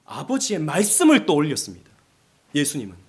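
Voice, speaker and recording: A man's voice: on the high side, wildly swooping pitch, fairly quick, darkish tone, breathy edge. A male pastor preaching a sermon, acting out the lines of quoted voices as he goes. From South Korea.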